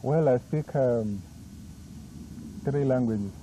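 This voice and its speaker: A man from Nigeria with a Nigerian accent, Isoko his first language, speaking as a guest in earnest, halting conversation. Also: medium pitch, mellow, poor audio. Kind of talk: casual conversation. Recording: 1980s cable TV studio tape, faint noise.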